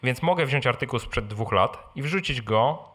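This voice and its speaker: A man's voice: mid-range voice, animated, moderate pace, a bit bright, husky. A man hosting an informal live question session, explaining things conversationally and often adding short tag questions. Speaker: host answering audience questions, blogger. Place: live event with audience and microphones.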